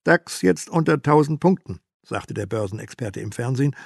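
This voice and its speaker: An older man in his eighties playing a reassuring male stock-market expert on television, speaking loud and bland. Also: mid-range voice, expressive, normal speed, creaky, breathy edge, dry recording, clean studio sound. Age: 80s.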